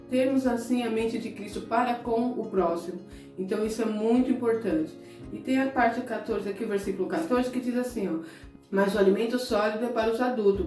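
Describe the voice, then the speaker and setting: A middle-aged Brazilian woman preaches to her viewers in a direct, conversational way. She is emotional and close to tears at times, and her voice is mellow. The room is echoey, with soft guitar music behind her. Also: fairly high pitch, far from the mic. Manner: conversational, addresses listeners directly. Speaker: evangelical preacher. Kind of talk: sermon-style talk to viewers.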